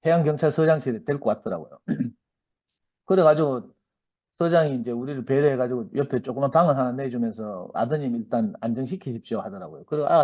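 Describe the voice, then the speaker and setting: A middle-aged man with a Gyeongsang Korean accent gives a personal testimony at a church meeting. He tells his story in an animated way and acts out the dialogue. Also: mid-range voice. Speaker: church member giving testimony. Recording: dull lo-fi recording.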